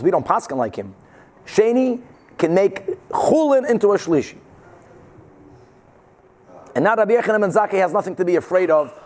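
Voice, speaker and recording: A man's voice: high voice, darkish tone. A man teaches. He explains emphatically and informally, as in a religious class, sprinkling Hebrew and Yiddish terms through his sentences. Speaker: Talmud teacher.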